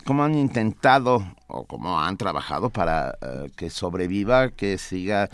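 A co-host questions the guest in a low voice. His intonation rises and falls a great deal, and the sound is close and dry. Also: moderate pace, dry recording. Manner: lively questioning, clarifies for listeners. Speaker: co-host interviewer. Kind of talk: casual interview talk.

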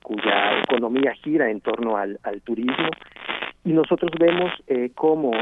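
Man on a phone call dropping out. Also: mid-range voice. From Mexico. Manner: hesitant, pausing with many fillers. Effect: call dropping out and cutting off mid-sentence. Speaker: guest. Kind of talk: remote radio interview. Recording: noisy tinny phone line.

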